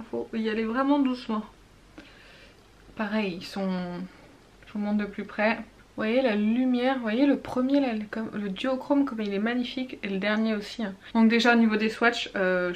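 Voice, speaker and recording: Woman, slightly high voice; casual gushing beauty vlogger who drops to whispers. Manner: chatty, gushing, drops to whispers while swatching. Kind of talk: casual makeup swatch review.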